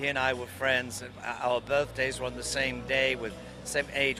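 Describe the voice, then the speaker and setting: A man speaks at a medium pitch, with noticeable background noise behind him. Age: 60s. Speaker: marketing executive, search industry veteran. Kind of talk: interview. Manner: halting.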